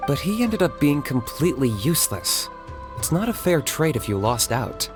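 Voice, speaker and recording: A man voicing a reserved, earnest young tribal warrior in an anime game, speaking in a measured, serious way. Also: fairly high pitch, big pitch swings, over loud music. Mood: calm, sincere.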